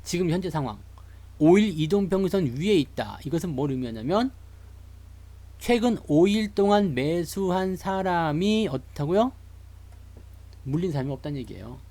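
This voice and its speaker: Lively but at a normal speed, a man from Seoul with a fairly high, mellow voice jokes through a live lecture on stock charts. He's a stock market streamer who chats with and greets his online viewers.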